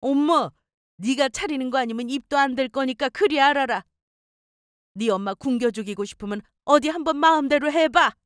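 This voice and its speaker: A woman's voice: high voice, normal speed, no room sound, studio quality, voice pushed up, close to an everyday voice. A woman voicing a scolding older mother who guilt-trips her son, nagging and reproachful.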